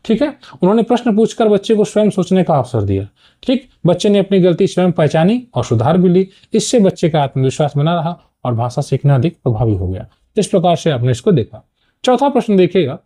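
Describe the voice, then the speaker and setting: Very mellow-voiced male teacher. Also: sits high, big pitch swings, a little fast. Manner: explanatory, frequent "ठीक है" checks. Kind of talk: exam-prep lesson.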